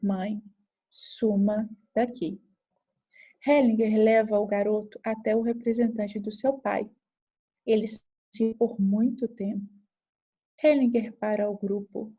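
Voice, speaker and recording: A woman calmly reading aloud the account of a group therapy session, in a measured narration. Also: fairly high pitch, breathy edge, dull audio. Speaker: reader.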